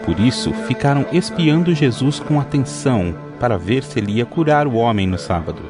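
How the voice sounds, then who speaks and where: A man narrating an audio Bible in a steady, measured scripted reading. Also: mid-range voice. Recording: music playing underneath.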